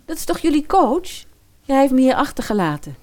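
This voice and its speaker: A woman's voice: sits high, very animated, fairly quick, a little mellow. Woman playing girlish, chatty Snow White. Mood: shy, hopeful. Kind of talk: comic fairy-tale audio drama.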